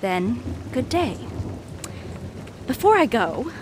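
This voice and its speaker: Marigold, flamboyant, animated jewel merchant. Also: female voice, on the high side, slow, background noise. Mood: wounded pride. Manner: effusive, theatrical, wheedling. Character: flamboyant, proud female jewel merchant and courier. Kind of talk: scripted audio drama acting.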